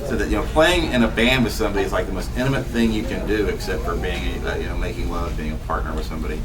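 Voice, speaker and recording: A poet speaking rapid-fire in a low voice reads his work aloud at a bookstore, filling the gaps with casual asides, plenty of ums and laughs at his own expense. Captured by a distant camera, the audio has room noise and a loud crowd.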